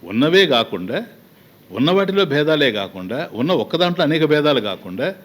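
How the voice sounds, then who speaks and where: A man's voice: on the high side, big pitch swings, normal speed, a bit bright. A man with a Telugu accent giving a spiritual discourse as a swami, talking conversationally with many rhetorical questions and acted-out little exchanges.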